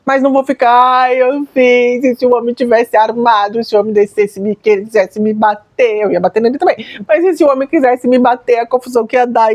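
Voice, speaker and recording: A Brazilian woman, a motivational speaker, telling a personal story in casual talk, acting out the dialogue and laughing at herself. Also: medium pitch. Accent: Brazilian Portuguese. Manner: animated storytelling, acts out dialogue.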